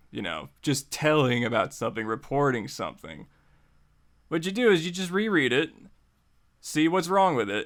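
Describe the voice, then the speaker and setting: A man's voice: a little high, fairly bright tone. A man hosting a tutorial in a casual, conversational way, informal and repeating phrases for emphasis. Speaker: host of a tutorial series. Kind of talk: casual, conversational writing lesson.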